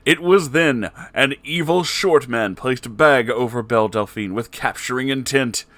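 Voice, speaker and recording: A man's voice: mid-range voice, unhurried, a bit bright, dry recording. A man narrating a comic story in a theatrical, emphatic way, with casual asides as the host.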